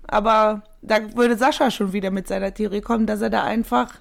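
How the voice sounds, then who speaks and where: A woman talks casually as a podcast co-host. Her voice sits at a middle pitch and carries plenty of vocal fry. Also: fairly even intonation, fairly quick. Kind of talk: casual chat about a crime case.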